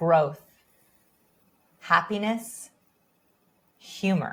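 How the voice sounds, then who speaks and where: A woman at a fairly low pitch and a very slow pace. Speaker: self-help YouTuber. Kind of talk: tutorial.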